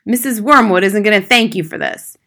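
A man's voice: high voice, brisk, sharp tone, pitched above the performer's own voice, heavily acted. A woman voicing a rude, impatient, ignorant small man in an audiobook, with a brusque, dismissive delivery. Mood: grudging, snappish. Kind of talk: acted audiobook dialogue.

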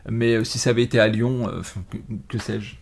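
A man interviewing in a casual chat, hesitant and halting as he searches for his words. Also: mid-range voice, little pitch movement, vocal fry, slight background noise.

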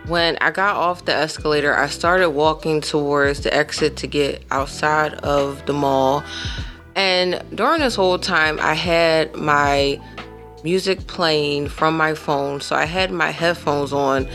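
A woman in her thirties hosting a podcast, telling a personal story in a casual, animated way with emphatic asides to her listeners. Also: deep voice, unhurried, soft background music. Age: 30s. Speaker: podcast host.

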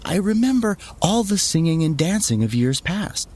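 A man's voice: high voice, big pitch swings, normal speed, a little mellow, pitched above the performer's own voice. A man voicing a kind, earnest, dreamy noble lady in a storybook tale, with a gracious manner. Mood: serene, wistful.

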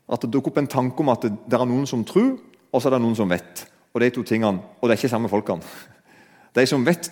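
A man delivers a sermon conversationally, speaking directly to his listeners. His mid-range voice is a little mellow, and the recording carries a long hall reverb.

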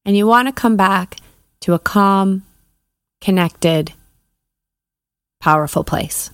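Woman, meditation guide, measured soothing instructions, mid-pitched voice, pauses between phrases, very dry recording. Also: smooth, no room sound. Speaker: podcast host, meditation guide and mindset coach.

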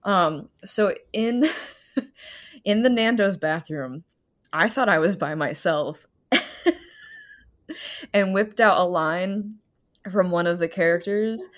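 A woman co-hosting a podcast, chatting casually and telling an animated story with frequent giggles. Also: medium pitch. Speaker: podcast co-host. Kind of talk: casual chat.

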